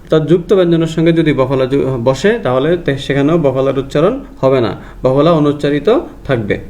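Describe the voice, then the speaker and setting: A man's voice: a little high, a little mellow. Methodical male Bengali grammar teacher. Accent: Bangladeshi Bengali. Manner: methodical, repeats each rule slowly. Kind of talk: grammar lesson to students.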